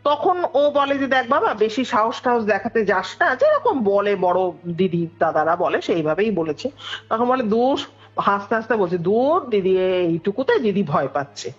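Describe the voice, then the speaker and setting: Her fairly high voice carries a breathy edge as she shares a ghost story as a guest. She performs the characters' lines with animation while chatting through it, and the call audio is dull and lo-fi, with background music underneath.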